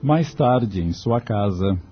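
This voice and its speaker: A man's voice: fairly low pitch, lively intonation, slow. A man reading scripted narration for an audio drama. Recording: dull audio with music. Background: music.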